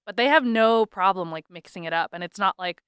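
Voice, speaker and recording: A woman's voice: medium pitch, a little fast, fairly bright tone, smooth, no room sound, studio quality. A woman co-hosting a podcast, chatting in an upbeat way, filling her talk with "like" and "right". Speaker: podcast co-host. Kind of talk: casual podcast chat.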